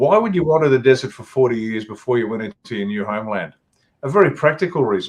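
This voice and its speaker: A man talks very fast at a medium pitch. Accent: Australian. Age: 60s. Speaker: political party leader. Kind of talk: interview.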